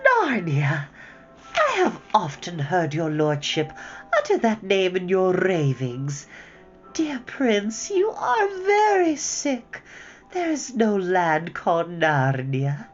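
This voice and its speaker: A woman reading a story aloud, voicing a coaxing, half-mocking enchantress queen in a high, slow, lilting voice. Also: wildly swooping pitch, highs cut off, faint music behind, full character voice.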